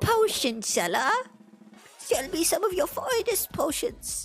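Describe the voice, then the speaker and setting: An extremely high-pitched put-on character voice at a fairly slow pace, with faint music in the background. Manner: silly, put-on.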